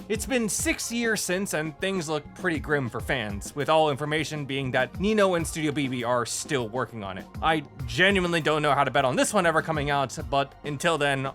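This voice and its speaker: A man's voice: on the high side, fairly bright tone. A man narrating a scripted video essay as its host.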